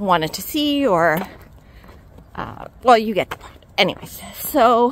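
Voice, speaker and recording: Lively intonation marks this woman's fairly slow speech. The sound is dry with no echo, with light background noise. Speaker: pilgrim vlogger. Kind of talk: casual vlog chat. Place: street. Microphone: phone near.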